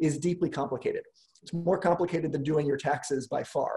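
The voice has a dark, mellow tone and is somewhat breathy, moving at a fairly quick pace over a quiet background. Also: man. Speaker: nonprofit executive director. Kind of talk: panel discussion. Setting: video call. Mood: earnest, proud. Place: home room. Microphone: video call.

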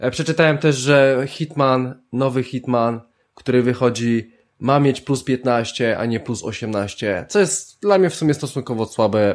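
Speaking at a very slow pace, a man keeps a medium pitch with ordinary pitch variation. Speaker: gaming podcast host. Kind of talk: casual chat. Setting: studio.

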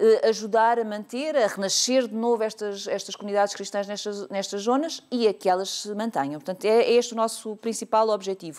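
A woman speaks in a normal speaking voice at a fairly high pitch. Her pitch variation is ordinary, with a quiet background. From Portugal. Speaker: TV co-presenter, charity representative; TV presenter. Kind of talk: casual chat. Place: studio.

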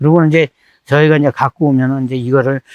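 A man's voice, dry and close with no echo. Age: 60s. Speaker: architect, interviewee. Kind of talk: interview answer, recalling childhood games.

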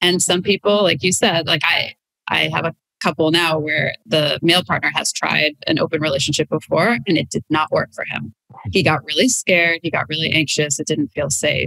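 Against a quiet background, a woman with a very deep, low pitch, vocal fry and a bright, sharp tone speaks at a moderate pace with ordinary pitch variation. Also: dry sound with no echo. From Denmark. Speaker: psychologist; guest. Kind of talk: casual chat. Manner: hesitant, with many fillers. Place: home room. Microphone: webcam.

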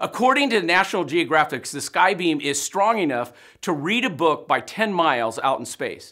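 A man speaks at a moderate pace with a bright, sharp tone. His pitch swings very widely against a quiet background. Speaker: pastor. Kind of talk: sermon. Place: studio.

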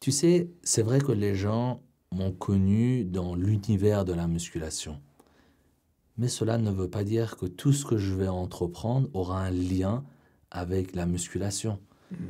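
Speaking at a very slow pace with long, frequent pauses, a man uses a fairly low, dark, mellow voice with a Persian accent. His pitch variation is ordinary, and the background is quiet. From Iran. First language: Persian (speaking French). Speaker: fitness coach. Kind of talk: interview. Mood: reflective, earnest. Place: studio.

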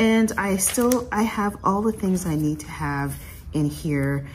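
The room echo can be heard clearly. Within it, a woman talks very slowly. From Canada. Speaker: YouTuber and teacher. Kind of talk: casual vlog tutorial. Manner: animated.

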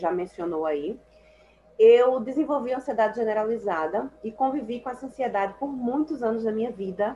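A woman's dark, mellow voice with lively intonation at a moderate pace, over light background noise. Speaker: therapist and coaching graduate; coaching graduate. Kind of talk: testimonial in an online class. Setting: video call. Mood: earnest, reflective. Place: home room. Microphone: video call.

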